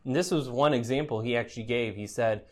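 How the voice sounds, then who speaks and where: A pastor speaking fairly quickly in a mid-range voice preaches an expository sermon in a conversational teaching style. Frequent rhetorical "right?" questions go out to the congregation, seasoned with dry, teasing wit.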